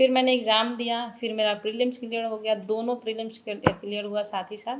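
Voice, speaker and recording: A woman speaks at a moderate pace in a fairly high, monotone voice with flat intonation, and background noise is noticeable. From rural Bhojpuri-speaking northern India. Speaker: bank exam topper. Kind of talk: interview. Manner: hesitant, many fillers.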